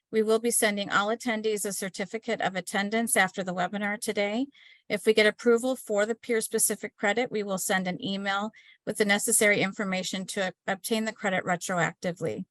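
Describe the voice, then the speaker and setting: A woman hosting a webinar on a video call, reading housekeeping notes and a speaker introduction from a script. Her pitch sits in the middle range, and her voice is dry and close on a computer microphone, with no room sound. She keeps an even, steady pace and stumbles now and then over a word. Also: no echo. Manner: scripted, steady delivery with small slips. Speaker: webinar host.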